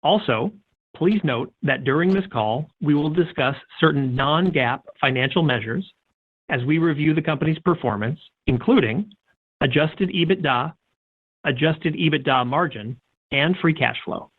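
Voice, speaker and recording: A man with a fairly high-pitched voice comes through a tinny telephone line. He reads scripted corporate statements in a stiff, formal, measured manner, like an executive addressing investors. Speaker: head of investor relations. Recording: tinny narrowband phone conference line.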